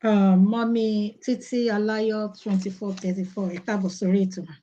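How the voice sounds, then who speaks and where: A woman's voice: mid-range voice, level tone, moderate pace, mellow, lo-fi sound. A woman with a Nigerian Yoruba accent, hosting a casual talk show and chatting conversationally to her viewers. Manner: conversational, addresses viewers by name.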